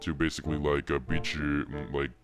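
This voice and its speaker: A man voicing an eager male robot toy in a halting, mumbly way. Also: extremely low pitch, level tone, over music, voice pushed down. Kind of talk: amateur animation voice acting.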